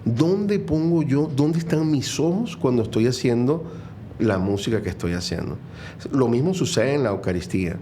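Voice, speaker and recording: A man's voice: mid-range voice, lively intonation, normal speed, warm tone, slight background noise. A middle-aged man with a Venezuelan accent, a guest speaking earnestly and reflectively in a conversational interview, with many fillers and restarts. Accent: Venezuelan Spanish.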